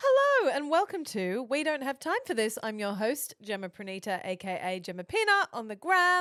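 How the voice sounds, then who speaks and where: Talking at a moderate pace with hardly any pauses, a woman with an Australian accent uses a high voice with very wide pitch swings. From Thailand, then Australia from age 11. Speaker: podcast host. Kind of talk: casual chat.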